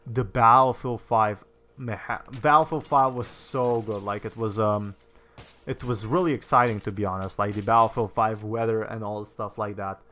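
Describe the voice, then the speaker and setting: A man's voice: on the low side, steady tone, moderate pace, sharp tone. A young man from Slovenia, chatting casually on a gaming livestream and answering viewer comments, rambling with lots of fillers and repeated words. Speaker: gaming streamer.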